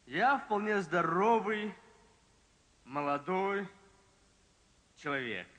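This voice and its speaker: A man preaching a sermon, telling a story with emphasis, slowing down and dropping low at dramatic moments. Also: lively intonation, a bit bright. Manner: emphatic, slows and drops pitch for drama. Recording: long reverb from a large hall.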